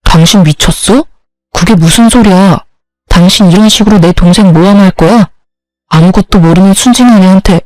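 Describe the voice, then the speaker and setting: A woman's voice: mid-range voice, moderate pace, darkish tone, no echo, close to an everyday voice, rough recording. A woman voicing a husband who defends his younger sister. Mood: indignant.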